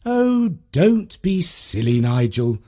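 Storyteller playing a feisty mum, raised pitch, lively, storybook heroine. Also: takes it slowly. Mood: indignant. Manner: lively and indignant. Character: spirited mother, indignant but good-humoured.

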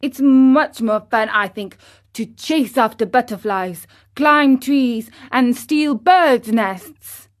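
A woman reading a storybook aloud, voicing a naughty, hot-tempered boy marionette who talks loudly and defiantly. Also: a little high, slow pace. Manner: loud, defiant and impatient.

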